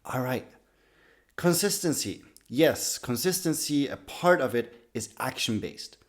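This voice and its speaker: A man with a slightly raspy voice from being sick, talking to camera in an earnest, loose way about personal growth. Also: medium pitch, animated, measured pace. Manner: earnest, loose sentences with many restarts and "like". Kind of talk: casual talk to camera.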